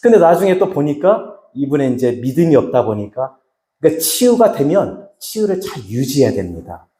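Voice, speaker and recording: A middle-aged man from Chungcheong giving a dramatic, emotional testimony sermon as a healing minister, going from loud to hushed. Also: mid-range voice, big pitch swings, moderate pace. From Chungcheong, Korea. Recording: echoey hall.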